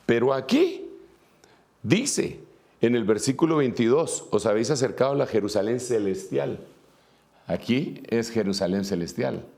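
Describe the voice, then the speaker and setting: Gravelly-voiced man preaching. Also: medium pitch, big pitch swings, a little slow, a little mellow. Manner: reads scripture aloud, then explains with many fillers and asides. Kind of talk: sermon teaching with a whiteboard.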